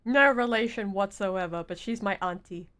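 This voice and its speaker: A woman's voice: mid-range voice, normal speed, fairly bright tone. A woman livestreamer giving chatty, giggly, casual reaction commentary while playing a story game.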